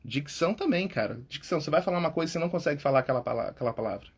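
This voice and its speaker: A man's voice: a little high, animated, racing, husky. A Brazilian man, a public speaking coach and podcast host, giving tips in a casual, informal way, often checking in with "tá?" and "cara". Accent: Brazilian Portuguese.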